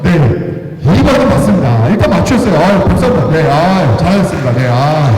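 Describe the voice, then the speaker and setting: A man's voice: high voice, dark tone, far from the mic. A man giving a live history lecture, quizzing the audience and counting raised hands. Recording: echoey hall with long reverb.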